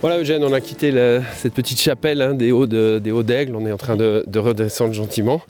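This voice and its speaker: A man hosting a radio interview while walking outdoors. He talks chattily, repeating words and adding quick asides. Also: medium pitch, fairly even intonation, a little mellow, faint music behind.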